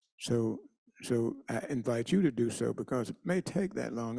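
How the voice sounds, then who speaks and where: The voice has a dark, mellow tone and an eastern North Carolina accent. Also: man. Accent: eastern North Carolina Southern US. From eastern North Carolina, Hertford County. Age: 80s+. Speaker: retired educator and integration advocate. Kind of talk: lecture.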